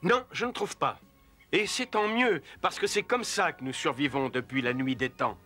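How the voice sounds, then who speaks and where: A man playing a worldly, philosophical black panther mentor in a French cartoon dub, expressive yet matter-of-fact. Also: fairly high pitch, moderate pace, faint music behind.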